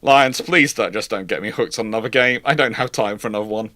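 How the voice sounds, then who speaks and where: A man with a lowish, pushed and bright voice talks at a quick pace, with no room sound. As a naval historian hosting a casual livestream, he takes viewer questions and rambles, often saying things twice or in new words.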